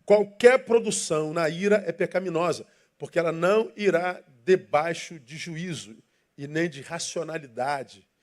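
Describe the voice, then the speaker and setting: A pastor preaching a sermon in church, emphatic and rhetorical, asking the congregation questions and leading them in reading. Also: male voice, a little high, moderate pace.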